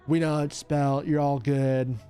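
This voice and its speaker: A man's voice: mid-range voice, little pitch movement, normal speed, warm tone, faint music behind. A young man, a radio host streaming casually while opening cards, teasing his chat and laughing often.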